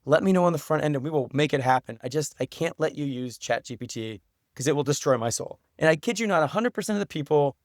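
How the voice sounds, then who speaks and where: A man's voice: fairly high pitch, lively intonation, fast talker, dry recording, studio quality. A man speaking earnestly and thoughtfully as a podcast guest in a reflective interview conversation. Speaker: podcast guest, writer and teacher.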